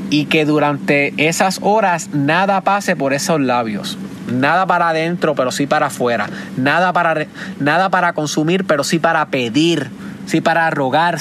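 A man in his twenties with a Puerto Rican Spanish accent, speaking in a somewhat high voice with a rhythmic, repetitive preacher's cadence. He hosts a podcast, and his advice is delivered emphatically. Loud traffic and outdoor noise run beneath the recording. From Puerto Rico. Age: 20s. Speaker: podcast host. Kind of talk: motivational preaching monologue.

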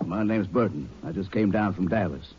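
A man's voice: low voice, normal speed, noisy background, natural voice. A man acting a formal, businesslike insurance investigator in a 1950s radio drama. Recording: muffled 1950s radio recording.

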